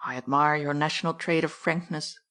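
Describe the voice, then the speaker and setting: A stately, smug older gentleman, read by a woman, speaks slowly and with measured condescension. The voice stays close to the reader's own, a little lower. The delivery is a plain audiobook reading. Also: fairly even intonation.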